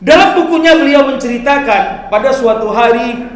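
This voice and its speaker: A man giving a Friday sermon in a mosque, slowing down for drawn-out Quranic recitation. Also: extremely high pitch. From Indonesia. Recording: echoey mosque hall.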